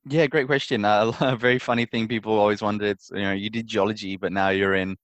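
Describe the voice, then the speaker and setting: A young man from Perth, Australia, answering interview questions in a friendly, relaxed way and repeating words as he thinks. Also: lowish voice, fast talker, no echo, lo-fi sound. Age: young adult. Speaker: interview guest, startup founder. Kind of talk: conversational interview.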